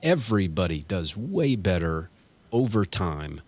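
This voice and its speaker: A man with a low, deep voice hosting a casual podcast interview. He affirms his guest's points and adds his own take on them. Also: very animated, unhurried. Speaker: podcast host.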